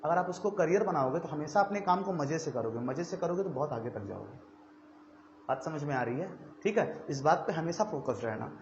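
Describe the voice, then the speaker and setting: A young male teacher talks earnestly and conversationally to his class, his voice sitting a little high. The recording is echoey and dull, with a faint hiss behind it. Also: animated, brisk. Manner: earnest, conversational, frequent "theek hai" check-ins. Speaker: coaching teacher. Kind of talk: motivational classroom talk to students.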